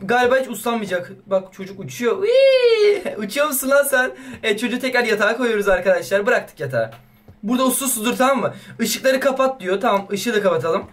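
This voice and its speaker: A young man with a very high voice narrates his horror-game playthrough. He is excitable and swears playfully at the baby in the game, in the manner of a YouTube let's play. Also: quick pace. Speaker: gaming YouTuber.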